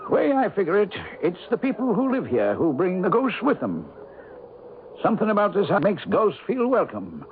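Radio drama role: folksy small-town sheriff, high, very lively pitch, plain-spoken. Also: male voice. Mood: earnest, insistent. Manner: folksy, unhurried country phrasing. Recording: tinny, very noisy old radio broadcast.

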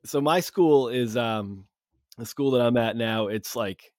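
A man's voice: mid-range voice, measured pace, darkish tone, no room sound, studio quality. A young man hosting a podcast, talking in rambling casual chat with many fillers. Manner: rambling, heavy on fillers and restarts. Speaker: podcast host.

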